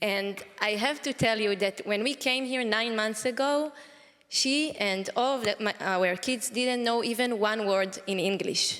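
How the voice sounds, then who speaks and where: Speaking at a fairly slow pace with a strong Israeli accent, a woman keeps her loudness very even and her pitch variation ordinary, with noticeable background noise behind her. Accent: heavy Israeli. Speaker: community emissary. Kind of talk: community talk. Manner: halting.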